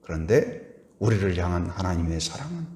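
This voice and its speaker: Animated male pastor in a roomy church. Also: sits low, fairly quick. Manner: lively, asks the congregation questions and acts out quoted voices. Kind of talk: dawn service sermon. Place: church sanctuary.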